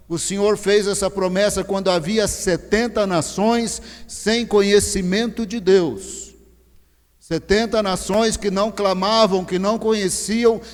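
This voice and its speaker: Brazilian pastor preaching in a reverberant hall. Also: male voice. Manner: swings from low, slow emphasis to loud, rising exhortation. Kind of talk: sermon. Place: large church hall. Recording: long church reverb.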